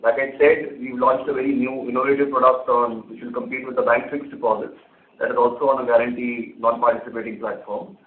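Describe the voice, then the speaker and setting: A man's voice: mid-range voice, little pitch movement, brisk. A man, a company executive, answering analyst questions on an earnings call and explaining methodically. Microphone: conference call phone line. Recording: echoey, phone-like conference call line.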